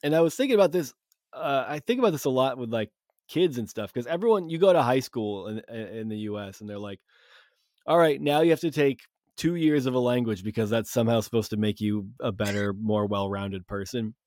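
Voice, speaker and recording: A man's voice: mid-range voice, animated, brisk, darkish tone, no room sound, studio quality. A young man hosting a podcast, talking in rambling casual chat with many fillers. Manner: rambling, heavy on fillers and restarts. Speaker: podcast host.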